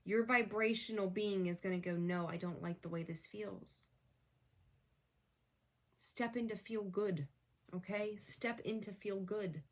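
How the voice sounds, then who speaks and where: A woman's voice: medium pitch, unhurried. A woman reading tarot who talks straight to viewers in an earnest, coaching way, repeating her advice, with a voice that is wearing thin. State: losing her voice, clearing her throat. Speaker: tarot reader. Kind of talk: casual spiritual tarot reading.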